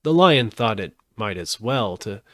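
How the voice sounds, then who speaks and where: A man giving an expressive live reading of a storybook as narrator. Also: fairly low pitch, unhurried, no room sound, clean studio sound. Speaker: audiobook narrator.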